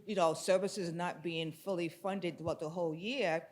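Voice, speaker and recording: A man in the audience with a somewhat high voice who talks loudly and informally. He rambles through his points and laughs easily, holding a microphone in a conference room. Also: fairly even intonation, normal speed. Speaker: audience participant. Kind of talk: audience comment in a workshop. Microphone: handheld microphone.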